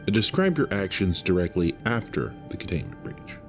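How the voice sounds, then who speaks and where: An actor playing a male official who asks pointed, formal questions, from a played animated video. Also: low-pitched, moderate pace. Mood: probing. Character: probing male official interviewer. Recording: music playing underneath.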